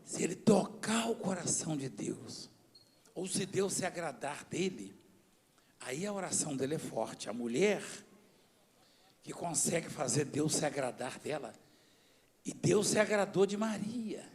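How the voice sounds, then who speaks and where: A middle-aged man preaching a sermon, his voice high and gravelly. He tells stories, mimics people, and swings widely in pitch between soft, hushed asides and shouted emphasis. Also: lively intonation, a little slow. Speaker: bishop.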